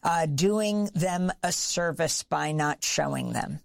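Gravelly, direct woman news host. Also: deep voice, expressive, no echo, studio quality. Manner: direct, brisk questioning. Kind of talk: interview questions and introductions. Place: studio.

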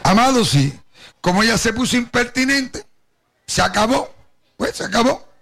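High-pitched, gravelly older Caribbean preacher. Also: male voice, animated, moderate pace, bright, forceful tone. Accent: Caribbean Spanish, Puerto Rican with Cuban influence. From Puerto Rico. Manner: storytelling, addresses the congregation directly. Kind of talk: sermon with personal testimony.

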